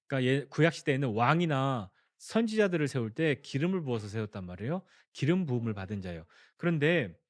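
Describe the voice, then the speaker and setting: A man's voice: mid-range voice, no room sound, clean studio sound. A male pastor preaching a sermon, telling the story and asking the congregation questions. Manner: storytelling, acting out quoted dialogue.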